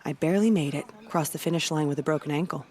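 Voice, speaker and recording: A woman playing a stoic, devout tribal warrior in a video game, speaking in a solemn, measured and formal way. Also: deep voice, darkish tone, lightly acted. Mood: proud, resolute. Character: stoic, devout female tribal warrior commanding a village's defenses. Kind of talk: dramatic video game dialogue.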